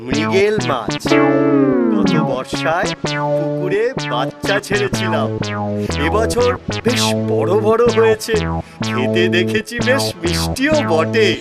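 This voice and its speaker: A man's voice: high-pitched, lively intonation, slow. A man voicing a wily, ingratiating village jester in a Bengali cartoon, talking glibly as he makes his excuses. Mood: pleading, sly. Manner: glib, ingratiating, explaining at length. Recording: loud background music under the voice.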